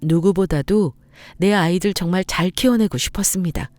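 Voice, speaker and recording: A woman's voice: fairly low pitch, normal speed, darkish tone, no room sound. A middle-aged woman telling her own story as scripted narration, earnest and determined.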